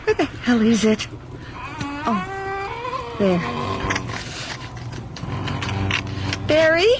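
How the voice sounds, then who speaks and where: A woman's voice: on the high side, very animated, takes it slowly, background noise. An actress playing a freezing, frightened young woman lost in the snow, angry and pleading, in an old-time radio ghost drama. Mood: cold, uneasy. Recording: old radio drama with loud music underneath.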